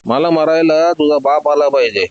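A man shouting as a raging villain boss. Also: on the high side, normal speed, dry recording, muffled recording, close to an everyday voice. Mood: furious. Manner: shouting, menacing. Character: furious villainous male gang boss shouting threats.

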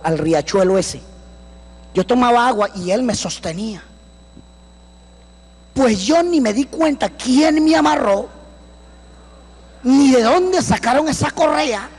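A man giving a dramatic church testimony as a survivor, acting out voices and breaking into shouts. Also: very high-pitched, slightly rough. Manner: animated storyteller who acts out voices and bursts into shouts. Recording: long church hall reverb.

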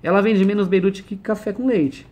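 A man's voice: high voice, steady tone, moderate pace, mellow. A man explaining business ideas in a conversational one-on-one lesson, using everyday examples and questions.

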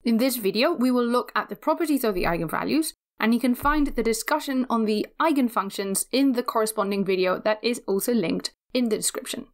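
A woman giving a scripted physics lecture, explaining step by step in a measured, methodical way. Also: fairly high pitch.

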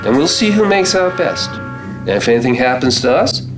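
A man's voice: mid-range voice, sing-song, moderate pace, lightly acted, low-quality recording. A man playing a defiant, blunt survivor taking charge in a radio play. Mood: scornful, defiant. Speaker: actor in a staged radio play. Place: theater stage. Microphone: stand microphone. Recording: music behind, live stage.

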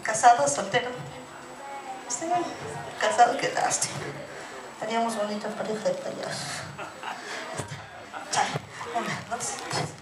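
A woman's voice: fairly high pitch, normal speed, long pauses. A woman with a Mexican Spanish accent, a party clown teasing and bossing the crowd in playful banter. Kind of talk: crowd-work comedy at a party. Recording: echoey, distant, noisy crowd recording.

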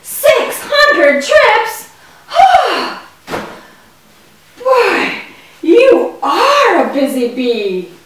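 A woman voicing a naive, curious puppet boy in a children's educational show, with exaggerated wonder and drawn-out questions. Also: very high voice, wildly swooping pitch, fairly bright tone, slight background noise, exaggerated voice. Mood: amazed. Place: indoor puppet stage in a room. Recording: echoey room, distant microphone.

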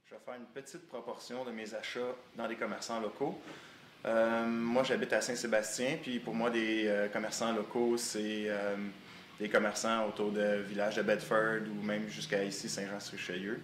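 A man's voice: fairly low pitch, little pitch movement, normal speed, a bit bright. A man in his thirties with a Quebec French accent, chatting casually with lots of fillers, recorded close in a tattoo shop. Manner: casual and talkative, with many fillers. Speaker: interviewee. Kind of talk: casual chat. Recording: echoey room with light noise.

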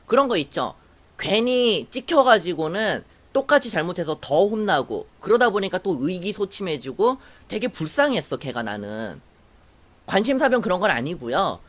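A young woman telling a personal story to camera in a casual, animated way, acting out what others said. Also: lowish voice, moderate pace. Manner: animated, acts out quoted voices, laughs while telling. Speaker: YouTuber.

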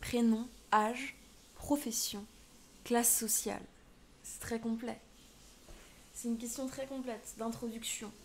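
Twitch streamer: French woman, 20s, bit high, playful chatter, faint room noise. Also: fairly even intonation, slow pace, long pauses. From France. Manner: playful, switches between French and accented English. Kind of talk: casual live stream chat.

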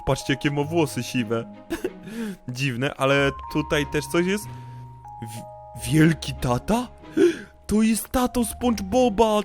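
A young man giving excited let's-play commentary, animated and often breaking into shouted, panicky outbursts. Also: mid-range voice. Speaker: gaming YouTuber.

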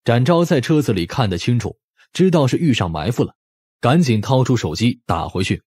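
A man's voice: mid-range voice, expressive, normal speed, a little mellow, husky, no echo, clean studio sound. A man reading scripted audiobook narration in a dramatic storytelling style.

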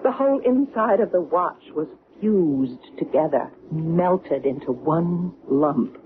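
An actress playing an earnest, haunted middle-aged woman in a vintage radio drama, recalling strange things in hesitant, deliberate, broken phrases. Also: low-pitched, animated, over music. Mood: haunted, uneasy. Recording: noisy, tinny old radio recording.

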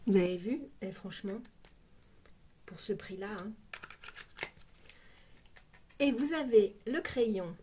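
A woman's voice: mid-range voice, lively intonation, takes it slowly, long pauses, warm tone, a little hiss or hum. A woman with a Parisian French accent chatting casually through a makeup unboxing, exclamatory and full of little fillers. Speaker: beauty vlogger.

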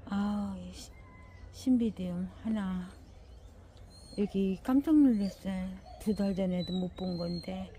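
A woman's voice: mid-range voice, slow pace, mellow, a little hiss or hum. An older woman talking casually in her home garden, sighing and murmuring to her plants as she tends them. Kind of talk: casual gardening vlog talk.

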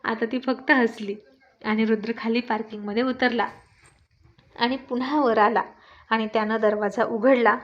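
Woman narrating a story, slightly high. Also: steady tone, moderate pace. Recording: dull lo-fi recording.

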